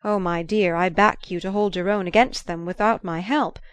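A woman voicing an earnest young man, restrained, quiet delivery, dry sound. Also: on the low side, steady tone, normal speed, clear, resonant tone, no echo, natural voice. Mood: reassuring.

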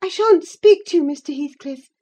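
A woman voicing a spirited, willful teenage girl who talks high and excitably in an audiobook. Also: normal speed. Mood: defiant. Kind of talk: audiobook character reading.

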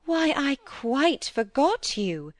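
A genteel widow rattles on in an easy, faintly condescending flow of talk, voiced by a woman narrator. Her tone is lighter and higher than the narration around her, and the recording is dry and close. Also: big pitch swings, slow pace, no room sound, full character voice. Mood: chatty. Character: breezy, self-absorbed genteel widow. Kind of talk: audiobook character voice.

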